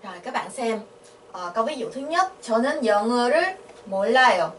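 With a slightly high, expressive, somewhat bright voice, a woman with a Vietnamese accent patiently teaches Korean grammar. She questions the class and goes over syllables slowly. The audio echoes, comes from a distance, and carries a faint hiss.

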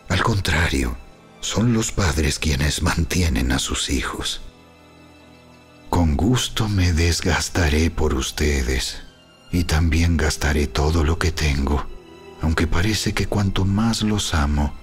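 Booming and unhurried, a man's solemn biblical narration carries this dramatized scripture reading, where he portrays an apostle who is humble and earnest.

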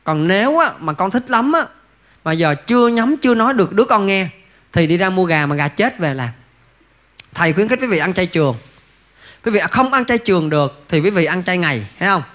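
Male monk preaching casually, high and bright, keeps asking "see?". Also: expressive, a little fast. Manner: folksy, asks listeners rhetorical questions. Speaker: Buddhist monk teacher. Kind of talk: Buddhist dharma talk answering questions.

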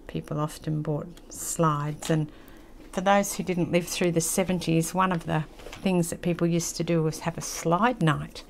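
An older woman from country New South Wales, Australia, with an Australian accent, hosts a craft channel tutorial at a table, chatting casually and reminiscing. Her voice sits low with vocal fry, over slight background noise.

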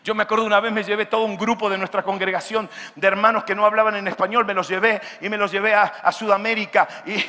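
A male pastor preaching a sermon at a youth conference, with an impassioned delivery that rises to shouts. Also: high voice, level tone, fast talker, hardly any pauses, in a large hall. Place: large hall at a youth conference.

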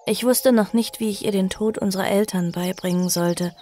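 A woman's voice: mid-range voice, fairly even intonation, normal speed, warm tone, natural voice. Woman as a grave young heroine, music behind. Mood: somber, reflective. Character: grave, polite young woman narrating her horror tale. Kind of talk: audio drama narration and acting.

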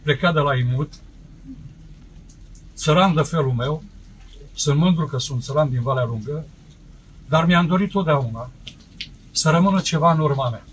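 A man's voice: on the high side, long pauses, a little hiss or hum, poor audio. A man in his seventies giving a plain-spoken, determined speech at an outdoor clinic opening. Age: 70s. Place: outdoor tent at a ceremony.

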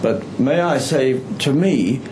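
A man's voice: medium pitch, lively intonation, slow, background noise. A man formally proposing a vote of thanks at a ceremony, in a dignified manner.

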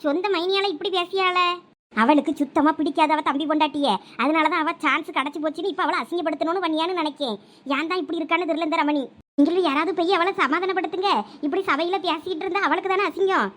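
A woman playing a quarrelsome village woman with a Thoothukudi Tamil accent, scolding rapidly. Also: extremely high pitch, a bit bright. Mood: complaining. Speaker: actor in village family drama. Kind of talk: village comedy sketch acting.

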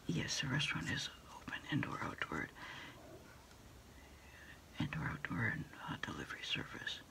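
A middle-aged woman doing a quiet ASMR roleplay as an order taker on the phone, speaking in halting, unhurried whispers. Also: very deep voice, sing-song, creaky. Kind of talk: ASMR roleplay, one side of a phone call. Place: small dim desk space indoors.

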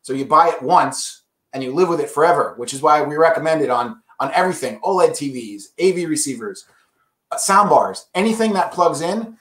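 A man with a slightly high voice talks through audio gear like a keen salesman, upbeat and chatty. The sound is roomy, with a clear echo around him. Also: expressive, fairly quick, fairly bright tone. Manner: enthusiastic salesy explaining. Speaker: brand representative. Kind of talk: casual product pitch.

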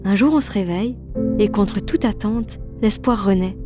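A woman's voice: mid-range voice, normal speed. A woman, a voice actress, reading an inspirational scripted narration. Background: soft music.

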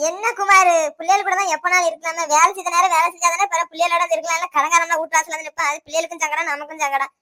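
A woman voicing a wealthy, blunt sister-in-law who lectures about a debt, speaking with a Tirunelveli Tamil accent in an animated cartoon. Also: extremely high pitch, racing, few pauses. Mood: lecturing. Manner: lecturing, blunt, money-minded. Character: rich, scolding older sister-in-law.

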